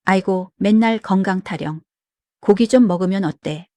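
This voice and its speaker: A woman's voice: medium pitch, warm tone, no echo, natural voice. A woman voicing a demanding, easily offended elderly father-in-law in a read-aloud story. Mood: irritated. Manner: complaining, quick to take offense.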